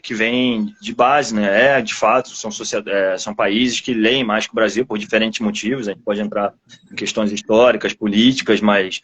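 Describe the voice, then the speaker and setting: A man with a Brazilian Portuguese accent speaking casually as an interviewed author, telling personal experiences in a reflective, halting, rambling way. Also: on the low side, steady tone, fairly bright tone, dull audio, a little hiss or hum.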